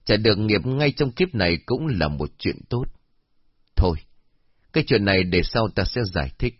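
A man voicing a solemn old male exorcist master who explains in a grave, measured way. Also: lowish voice, expressive, breathy edge, dry recording. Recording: dull lo-fi recording.

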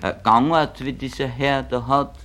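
A man's voice: medium pitch, steady tone, moderate pace, pushed and bright, a little hiss or hum, close to an everyday voice. A man voicing a pompous, stuttering male doctor.

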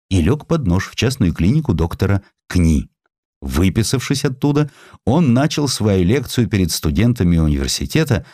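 This audiobook narrator is a man whose voice is lowish and somewhat dark in tone. He gives scripted literary passages a theatrical, expressive storytelling treatment, recorded at studio quality with no room sound.

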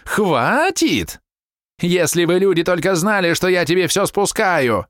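A man voicing a quarrelsome woman in her forties, shrill and indignant as she nags and complains. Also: sing-song, a little fast, no echo, studio quality. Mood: furious.

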